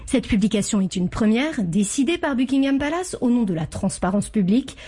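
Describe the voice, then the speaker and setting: A woman correspondent delivering a scripted radio news report, explaining the details clearly. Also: a little high, expressive, brisk, dark tone. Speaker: foreign correspondent.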